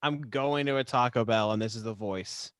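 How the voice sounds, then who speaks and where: A man's voice: mid-range voice, moderate pace, clear, resonant tone, dry recording, clean studio sound. A man chatting casually as a podcast guest, hesitant and self-deprecating. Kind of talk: casual chat.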